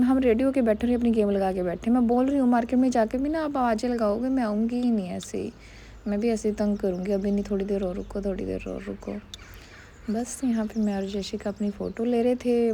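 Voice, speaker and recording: A woman's voice: a little high, warm tone, a little hiss or hum. A woman in her thirties, a mother casually narrating her family's day and teasing her kids, recorded on a phone. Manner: chatty, scolding and teasing about her kids. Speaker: vlogger and mother.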